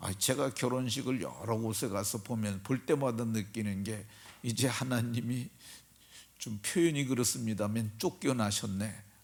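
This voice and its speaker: An ordinary speaking voice from a man, medium in pitch, fairly slow, with ordinary pitch variation. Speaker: pastor. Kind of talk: sermon. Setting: church. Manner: formal.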